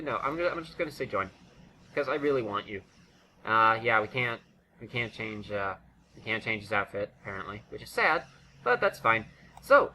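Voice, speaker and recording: Halting male gamer with bright, sharp voice. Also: a little high, a little hiss or hum, low-quality recording. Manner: rambling, halting, self-interrupting. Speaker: gaming video commentator. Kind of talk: casual unscripted game walkthrough commentary.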